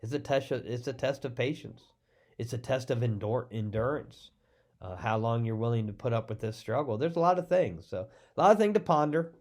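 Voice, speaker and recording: A middle-aged man, a pastor, giving an informal sermon teaser in a congested voice, with a halting delivery full of restarts and ums. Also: mid-range voice, lively intonation, a little mellow.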